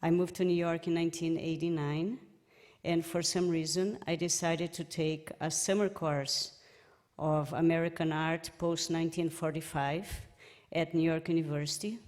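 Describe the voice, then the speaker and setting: A woman's voice: sits low, flat delivery, normal speed, a little mellow. A woman from Brazil with a Brazilian Portuguese accent, giving a personal remembrance speech at a memorial event, telling anecdotes and laughing lightly between remarks. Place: lecture hall. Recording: hall reverb.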